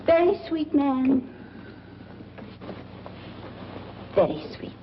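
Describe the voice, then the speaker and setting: A woman's voice: sits high, very animated, unhurried. An actress playing an anxious, strict small-town mother in a muffled, noisy 1940s film. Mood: pleased.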